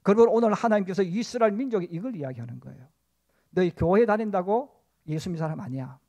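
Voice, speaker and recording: A man's voice: high voice, lively intonation, quick pace, warm tone. A middle-aged male pastor preaching a sermon with fervor, acting out prayers of repentance and God's rebukes in direct address.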